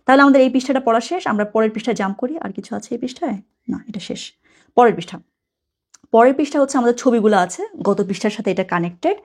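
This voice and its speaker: A woman's voice: on the high side, expressive, fast, darkish tone. A woman teaching German from a textbook, chatty, explaining words step by step and correcting herself as she goes.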